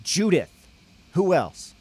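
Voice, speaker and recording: A man's voice: high voice, wildly swooping pitch, slow, darkish tone, breathy edge, exaggerated voice. A young man acting a brash, foul-mouthed, resentful guy at a church camp, griping in slangy, emphatic audio drama dialogue. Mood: bitter.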